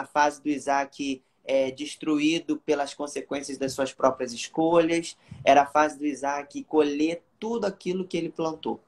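Young Carioca man, fairly high voice, earnest testimony storyteller. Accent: Carioca Brazilian Portuguese. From Rio de Janeiro, Brazil. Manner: earnest storytelling, reenacting dialogue. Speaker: guest giving testimony. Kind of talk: emotional personal testimony.

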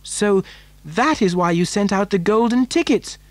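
A man's voice: high voice, animated, a little slow, no room sound, voice pushed up. A man voicing an eager, earnest, polite little boy in a storybook, with breathless emphasis.

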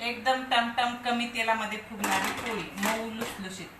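A woman's voice: on the high side, steady tone, moderate pace, echoey room, background noise. A woman, talking viewers through home cooking in a chatty, step-by-step way. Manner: scolding and coaxing a pet dog. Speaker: vlogger.

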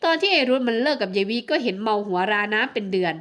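A woman's voice: mid-range voice, animated, fast, a bit bright, lightly acted. A woman reading a romance audiobook, voicing a young man gossiping with a friend in blunt, slangy banter. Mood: musing. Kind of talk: audiobook romance novel acting.

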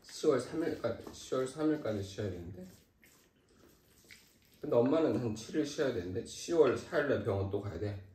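A young man chatting with his mother at a home table over a meal, gently asking her questions. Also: medium pitch, lively intonation, a little fast, roomy sound, distant mic, a little hiss or hum. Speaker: son and channel host. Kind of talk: casual mealtime chat. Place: home dining table, indoors. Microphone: camera across the table.

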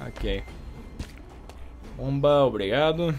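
A man with a Brazilian Portuguese accent commenting on his gameplay in a chatty way, reacting loudly and joking at enemies. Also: mid-range voice, animated, slow pace, lo-fi sound. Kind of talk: let's play commentary.

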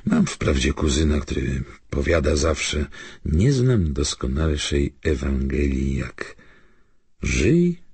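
A man voicing a reflective, measured stranger who argues thoughtfully in an audiobook. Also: rumbling low, very animated, creaky, darkish tone, husky, no echo, exaggerated voice. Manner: thoughtful, hesitant, argumentative. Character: reflective, measured male stranger debating philosophy.

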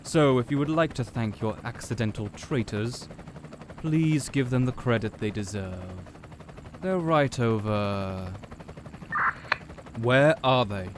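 A man's voice: mid-range voice, lively intonation, noisy background. Man doing a smug, sneering villain mastermind. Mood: irritated, commanding. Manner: slow, sneering, theatrical monologue. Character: smug, cold, condescending male villain mastermind. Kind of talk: audio roleplay villain monologue.

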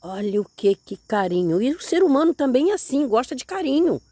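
A woman's voice: sits high, very animated, brisk, mellow, dry recording. Grandmother in her seventies, folksy and chatty, outdoors in a hillside garden, dry sound. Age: 70s. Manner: chatty, folksy, keeps saying "look here", religious exclamations. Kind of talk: casual chat while tending plants.

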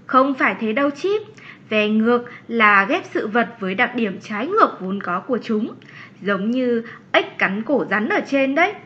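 A kind young cartoon schoolteacher, fairly high in pitch. She encourages her pupils in measured phrases, on a slightly dull recording. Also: animated, fairly bright tone. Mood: instructive. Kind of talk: children's educational cartoon lesson.

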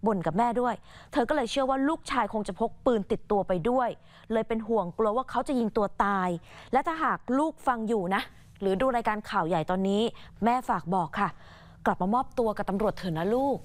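A female co-anchor presents her part of the story in a polite, measured way. Her voice is slightly high, and the sound is dry and close. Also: no room sound. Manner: polite, measured, brief acknowledgements. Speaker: news co-anchor. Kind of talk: news presentation.

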